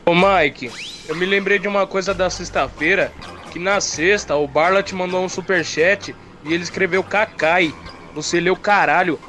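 A man's voice: high voice, normal speed, sharp tone, faint music behind, pitched above the performer's own voice. A man leaving a profane, insulting audio message for the show, heard from a distance.

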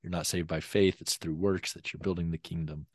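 Deep-voiced man explaining, dry sound. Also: steady tone, a little mellow, no room sound. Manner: measured, explanatory. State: coughing. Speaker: Bible teacher guest. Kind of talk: podcast conversation.

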